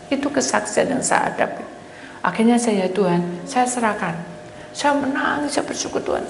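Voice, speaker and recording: High-voiced woman preaching in an echoey hall. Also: gravelly, slight background noise. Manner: dramatic storytelling, acts out quoted voices, addresses congregation as "saudara". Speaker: pastor. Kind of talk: sermon testimony. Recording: echoey hall with long reverb, faint ambience.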